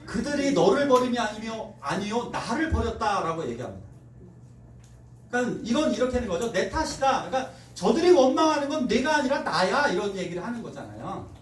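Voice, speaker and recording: A pastor giving a Sunday sermon, telling stories and acting out quoted lines with laughter. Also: male voice, sits high, a little hiss or hum. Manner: animated storytelling, acts out quoted voices with laughter. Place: church sanctuary. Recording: roomy church hall, mic at a distance.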